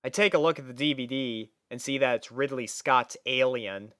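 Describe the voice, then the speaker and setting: Smooth, dry-sounding male story narrator. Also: medium pitch, moderate pace, a bit bright, no room sound. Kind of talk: scripted first-person story narration.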